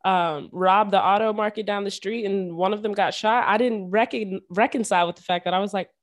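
A young woman podcast host telling stories from her childhood in a casual, animated way, full of slang and fillers. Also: medium pitch, a little fast. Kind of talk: casual chat.

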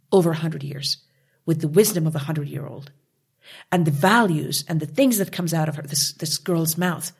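A woman's voice: on the low side, breathy edge. A woman from Canada, speaking passionately and emphatically as an interview guest. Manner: passionate, emphatic, with rising outbursts. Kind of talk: conversational interview.

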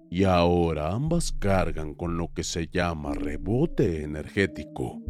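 A man narrating a paranormal story in a slow, deliberate storytelling manner, his delivery rising and falling. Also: sits low. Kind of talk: scripted horror narration. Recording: music bed under the voice.

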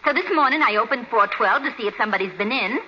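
An actress playing a naive, nervous hotel chambermaid with folksy working-class diction, in 1940s radio drama style. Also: female voice, fairly high pitch, lively intonation, quick pace, close to an everyday voice. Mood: matter-of-fact. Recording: muffled, noisy 1940s radio recording.

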